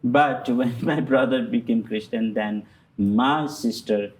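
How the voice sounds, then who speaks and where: A middle-aged man, a guest telling his personal story in halting, full of fillers and restarts. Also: mid-range voice, rough recording. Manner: halting non-native English with many fillers and restarts. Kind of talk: personal testimony in conversation.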